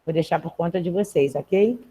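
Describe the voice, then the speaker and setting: A woman's voice: fairly low pitch, moderate pace, mellow, slight background noise. Patient woman teaching Portuguese. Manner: patient, checks in with frequent "tá?". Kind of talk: live class, reading aloud and explaining grammar. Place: classroom with students in the room and at home.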